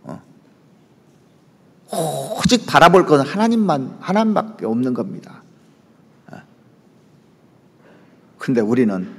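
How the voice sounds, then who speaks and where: A man preaching to his congregation with a highly animated voice that jumps high and sinks low. His words ring out with a long reverb trailing behind them in a church sanctuary. He keeps turning to the listeners with quick asides. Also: husky. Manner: lively preaching, pitch leaps and drops, asides to the congregation. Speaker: pastor. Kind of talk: sermon.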